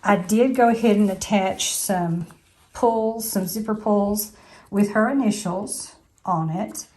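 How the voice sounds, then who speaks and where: A woman in later life, a retired teacher, chatting casually to her vlog viewers in a slightly hoarse voice and thinking aloud as she goes. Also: medium pitch, slow, darkish tone. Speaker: vlogger.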